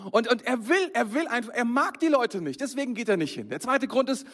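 Preacher guy, higher voice, chatty and punchy, talks right at the crowd. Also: brisk. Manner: lively, conversational, addresses the congregation directly. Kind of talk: sermon.

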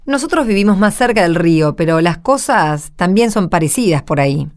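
An actress playing a modest, discouraged rural wife in a radio drama, plain-spoken and hesitant, with an Argentine accent. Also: female voice, lowish voice, animated, moderate pace, a little hiss or hum, close to an everyday voice. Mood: concerned. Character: modest, discouraged rural married woman neighbour.

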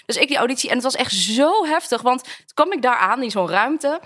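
A woman in her thirties, an actress guest on a podcast, telling frank anecdotes in a lively, casual way. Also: on the high side, fairly quick. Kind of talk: casual conversational storytelling.

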